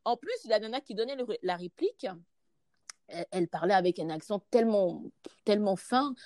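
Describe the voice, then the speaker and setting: A woman's voice: medium pitch, a little fast, no room sound, clean studio sound. A woman with an Ivorian French accent, a guest actress in a casual interview, telling stories and slipping into other voices and accents. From Côte d'Ivoire. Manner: lively storyteller, imitates accents and voices.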